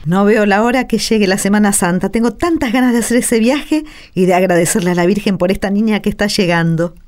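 A woman's voice: medium pitch, a little fast, a little mellow, close to an everyday voice. Eager young mother-to-be played by a woman. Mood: eager, grateful. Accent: Argentine. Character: grateful, devout young pregnant wife, affectionate and eager. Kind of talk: radio drama acting.

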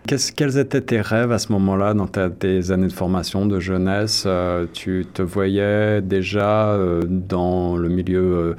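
Man, radio host, slightly low pitch, formal introductions, filler-heavy, studio. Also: steady tone, unhurried, hardly any pauses, a little mellow, clear, resonant tone. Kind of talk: radio interview hosting.

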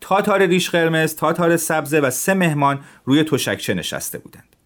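A man reading a translated classic story aloud as a calm narrator for teenagers. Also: fairly high pitch.

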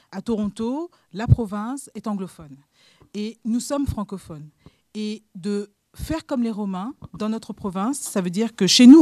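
Female debater, mellow, dry close sound, measured delivery. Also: mid-range voice, no echo. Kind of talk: formal debate speech.

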